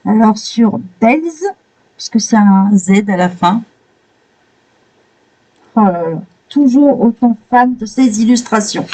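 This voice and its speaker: Mellow-voiced woman gushing over pages. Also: mid-range voice, slow, pauses often, poor audio. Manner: admiring, exclamatory. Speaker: coloring book reviewer. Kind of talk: casual flip-through commentary.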